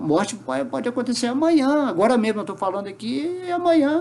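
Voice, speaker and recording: Speaking at a high pitch, a man lets his voice make very wide pitch swings. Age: 60s. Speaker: spiritual teacher. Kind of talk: evening spiritual lecture.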